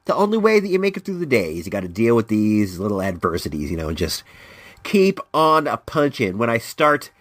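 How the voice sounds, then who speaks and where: Stuffy from allergies, a man from Northern California hosts his podcast in loose, rambling conversation full of restarts and lively shifts in tone. His pitch is fairly low and his pace slightly quick, in a dry recording.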